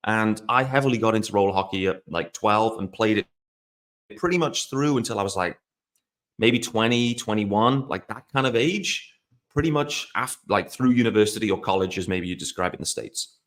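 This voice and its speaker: A man's voice: lowish voice, moderate pace, fairly bright tone. A man in his forties from South Wales with a Welsh accent, talking casually and at length as a podcast host, rambling and poking fun at himself. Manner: rambling, conversational, self-deprecating. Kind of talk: casual solo podcast talk.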